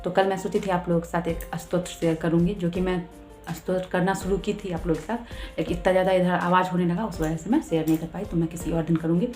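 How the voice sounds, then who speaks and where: A woman's voice: lowish voice, fairly even intonation, quick pace, darkish tone, echoey room, faint music behind. A woman vlogger casually explaining her home puja routine at length. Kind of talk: casual devotional vlog talk.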